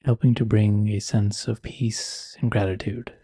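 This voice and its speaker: Slow, soft-edged low male meditation guide. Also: little pitch movement, breathy edge, dry recording, studio quality. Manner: soothing, measured, gentle instruction.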